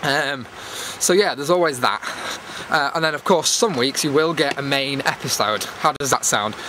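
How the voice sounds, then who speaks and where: A man's voice: mid-range voice, normal speed, pushed and bright, rough recording. Chatty man vlogging over outdoor background noise. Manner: chatty, self-deprecating, jokey asides. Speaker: YouTube host. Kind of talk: casual rambling vlog chat to viewers. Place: outdoors, walking in a public area. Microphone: handheld camera. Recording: clear outdoor background noise while walking.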